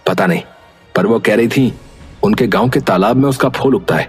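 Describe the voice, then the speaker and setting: A man playing a sly young village man who talks rapidly and persuasively in a story. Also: fairly low pitch, husky, faint music behind, pitched below the performer's own voice. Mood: earnest.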